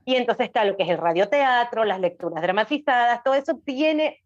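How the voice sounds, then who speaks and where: A woman appears as a podcast guest; she's an audiobook creator and writer. In casual interview talk she is talkative and emphatic, explaining things and checking she's understood, her fairly high voice expressive and fairly quick. The audio sounds dull.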